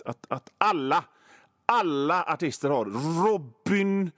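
A man's voice: a little high, lively intonation, a bit bright, no room sound, studio quality. A man hosting a radio show, rambling through a self-mocking comic monologue. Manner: rambling, self-mocking, many fillers and restarts. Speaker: radio host.

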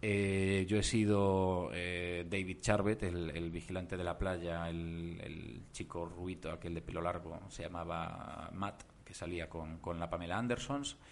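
A man who works as a voice actor, guesting on a podcast and telling stories in an animated way with lots of asides. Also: sits low, unhurried, creaky, few pauses, slight background noise. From Germany. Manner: animated storytelling, many asides. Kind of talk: casual podcast interview.

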